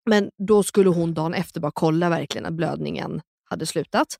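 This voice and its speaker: A woman's voice: deep voice, creaky, dry recording, studio quality. A young woman co-hosting a podcast, chatting candidly and acting out what others said as she tells stories. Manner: animated storytelling, acting out quotes. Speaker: podcast co-host. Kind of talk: candid casual chat.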